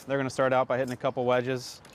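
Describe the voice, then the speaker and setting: Male golf instructor, quick delivery, mid-pitched voice, explaining casually outdoors with faint background noise. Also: monotone. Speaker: golf pro giving tips.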